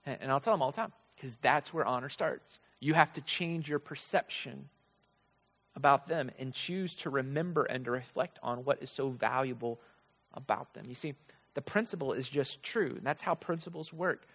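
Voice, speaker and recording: A man's voice: medium pitch, moderate pace, fairly bright tone. A man preaching a conversational sermon, emphatically repeating his key phrases for effect. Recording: large hall with long reverb.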